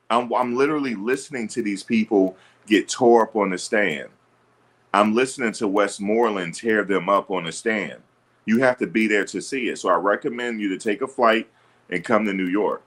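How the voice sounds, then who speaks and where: Male livestream host, very deep voice, blunt and assertive, argues back at chat comments. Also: fairly bright tone. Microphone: streaming setup.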